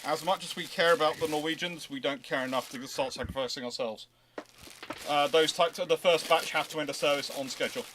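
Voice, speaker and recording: A man hosting an unscripted livestream question-and-answer talk, thinking aloud haltingly and correcting himself as he goes. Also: a little high, a bit bright, slight background noise. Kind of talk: unscripted naval history Q&A talk.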